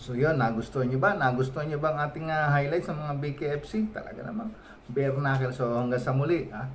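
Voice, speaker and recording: The speaker sounds animated, moving at a fairly quick pace with ordinary pitch variation. Light background noise can be heard. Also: man, fairly high pitch for a man. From Philippines. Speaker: fight commentator, video channel host. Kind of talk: live sports commentary over fight clips. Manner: animated, excitable, reacting blow by blow with exclamations and laughs. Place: home room. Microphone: phone near.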